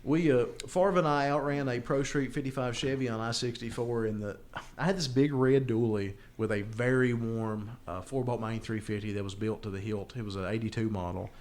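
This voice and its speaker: A man's voice: mid-range voice, steady tone, brisk, darkish tone. A man, chatting and telling stories among friends as a podcast host in a blunt, joking, salty-tongued way. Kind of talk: casual banter and storytelling among friends.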